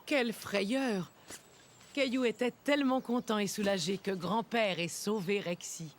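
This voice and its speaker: A woman narrating a children's cartoon as a gentle, expressive storyteller. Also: medium pitch, a little slow, noisy background, close to an everyday voice. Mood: gentle, storytelling. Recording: music behind the voice.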